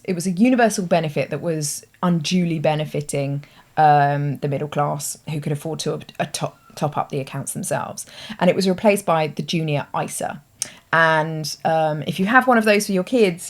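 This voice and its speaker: A British woman hosting her own show, explaining ideas in a thoughtful, conversational way with hedging asides. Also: deep voice. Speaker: host. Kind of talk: explanatory talk to camera.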